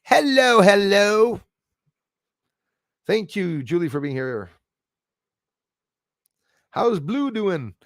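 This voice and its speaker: A man in his forties with a Canadian accent, hosting a casual livestream in a rambling, halting way as he responds to viewers. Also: high voice, expressive, dry recording, studio quality. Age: 40s. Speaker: livestream host. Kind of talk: casual live chat, reacting to viewer comments.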